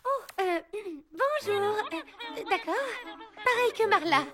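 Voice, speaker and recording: A woman's voice: very high-pitched, expressive, takes it slowly, over music, heavily acted. A woman voicing a shy young girl who dreams of fashion design in a French cartoon dub, hesitant and flustered.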